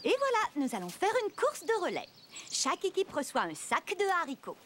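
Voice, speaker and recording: A woman playing a cheerful, encouraging young preschool teacher in a French children's cartoon, giving clear, animated instructions. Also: high voice, a little fast, full character voice. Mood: explaining brightly. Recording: music bed under the voice.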